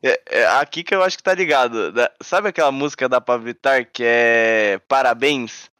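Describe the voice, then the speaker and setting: A man's voice: mid-range voice, moderate pace, sharp tone, smooth, no room sound. Slangy man, dry and close. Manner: joking, slangy. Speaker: co-host reading questions. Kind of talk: casual group chat.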